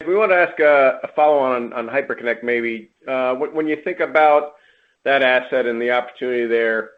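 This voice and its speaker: A man's voice: mid-range voice, a little fast. A man asking a question as a financial analyst on an earnings call. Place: phone call. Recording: thin, tinny phone line.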